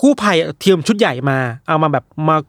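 Fast-talking young man telling stories. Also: on the high side, no room sound, studio quality. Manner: animated retelling, acts out quoted voices. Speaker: podcast host telling news stories. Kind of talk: casual storytelling chat.

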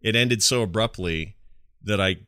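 A man with a fairly low, crisp voice hosts a casual gaming podcast. He talks in an animated, jokey way and slips into imagined dialogue. The sound is dry and close. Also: normal speed, no echo. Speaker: podcast host.

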